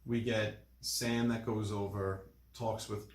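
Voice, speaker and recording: A man's voice: lowish voice, flat delivery, slow. A man chatting casually on a film review podcast, explaining and recapping things in detail. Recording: echoey room sound.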